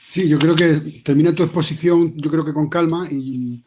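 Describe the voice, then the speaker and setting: Mellow-voiced man moderating hesitantly. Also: on the high side, fairly even intonation, moderate pace, slight background noise. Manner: hesitant, repeating words. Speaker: seminar moderator. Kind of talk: moderating an online seminar.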